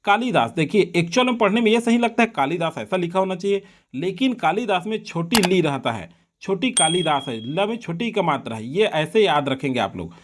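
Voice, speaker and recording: A male teacher giving an exam-prep lesson on correct spelling, slowly repeating words to drill them. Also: sits high, big pitch swings.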